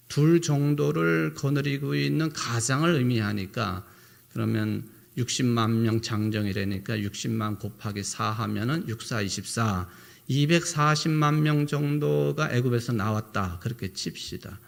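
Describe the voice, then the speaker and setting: A man's voice: a little high, creaky. A middle-aged male pastor giving a sermon in a conversational way, often posing rhetorical questions to the congregation.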